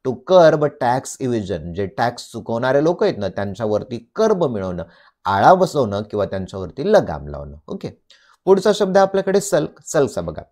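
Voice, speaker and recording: A man with a Marathi accent teaching English vocabulary, reading each definition slowly and then explaining it, with frequent questions to the listener. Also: medium pitch, darkish tone. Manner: asks the listener rhetorical questions. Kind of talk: bilingual vocabulary lesson.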